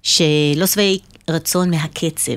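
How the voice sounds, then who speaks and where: A woman's voice: sits low, fairly even intonation, no room sound. Woman with a slight French-sounding accent, close-miked. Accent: Hebrew with a slight French-sounding lilt. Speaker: marketing executive, interview guest. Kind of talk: conversational business interview.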